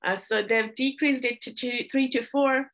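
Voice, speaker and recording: A young adult woman tutor explaining test changes in a casual, chatty way, often apologizing and filling pauses. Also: high-pitched, steady tone, fairly bright tone. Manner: chatty, apologetic, with frequent fillers.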